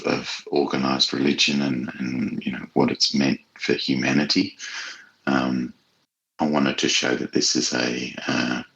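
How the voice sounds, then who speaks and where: A man being interviewed as an author, speaking in a thoughtful, measured and hesitant conversational way. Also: very deep voice, creaky, bright, forceful tone, rough recording.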